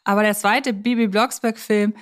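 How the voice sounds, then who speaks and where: A woman's voice: mid-range voice, fairly even intonation, moderate pace. A woman hosting a conversational film podcast, speaking in an articulate, wordy and analytical way. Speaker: podcast host.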